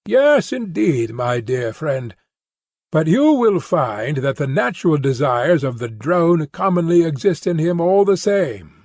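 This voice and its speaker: A man reading a philosophical dialogue as an audiobook, in a measured, formal and expressive way. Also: fairly high pitch, slightly rough, no echo, clean studio sound. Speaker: audiobook reader. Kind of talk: scripted narration of a philosophical dialogue.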